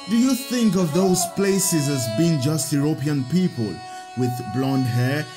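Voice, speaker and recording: An actor playing a kindly, learned Catholic priest in an audio drama, teaching children in a patient, measured, explanatory way. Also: male voice, a little high, music in the background, natural voice.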